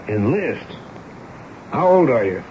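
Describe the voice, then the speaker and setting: Commanding army major, vintage radio. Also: male voice, mid-range voice, sing-song, takes it slowly. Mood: probing. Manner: commanding, interrogating, clipped. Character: stern army major, authoritative, later fatherly. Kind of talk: 1970s radio drama acting. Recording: dull, noisy vintage radio broadcast.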